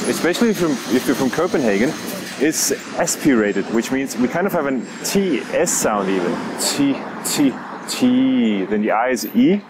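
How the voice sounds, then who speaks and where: A man in his forties, a native Danish speaker, teaching pronunciation slowly and carefully, recorded outdoors on city streets with a lapel mic. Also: medium pitch, background noise. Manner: slow, exaggerated demonstration of sounds. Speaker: language teacher. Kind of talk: pronunciation lesson vlog.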